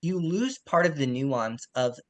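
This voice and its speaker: A man's voice: mid-range voice, lively intonation, a little slow. A man co-hosting a podcast, discussing literature in a colloquial, slangy and opinionated way. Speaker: podcast co-host.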